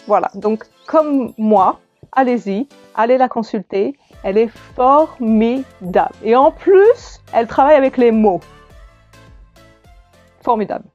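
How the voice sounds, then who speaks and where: A woman playing a prim, flustered grown woman who gives a hesitant testimonial in a comic sketch, full of pauses and fillers. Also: on the high side, lively intonation, a little mellow, dull audio, soft background music.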